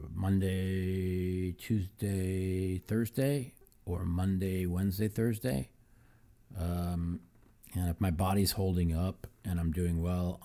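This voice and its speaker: A man's voice: deep voice, dark tone. A man hosting a casual podcast monologue, rambling with many fillers and repeated words. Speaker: podcast host. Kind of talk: casual monologue on football and poker.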